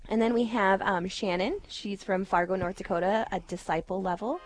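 A woman's voice: medium pitch, fairly even intonation, normal speed. A woman co-hosting a radio fundraiser, reading out donors in an upbeat way and giggling often. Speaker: radio co-host. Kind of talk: reading donor names on air.

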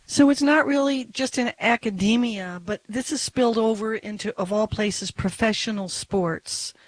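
A woman interviewer asking measured, clear questions. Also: on the high side, low-quality recording.

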